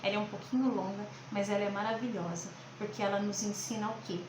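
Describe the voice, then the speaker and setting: A woman's voice: medium pitch, steady tone, fast. A Brazilian woman around forty hosts a children's Christian lesson, explaining things simply to young listeners. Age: late 30s to 40s. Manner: simple explanations with frequent check-in questions. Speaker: host of a children's Christian education channel. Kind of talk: speaking to young children, teaching. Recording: roomy echo, faint background noise.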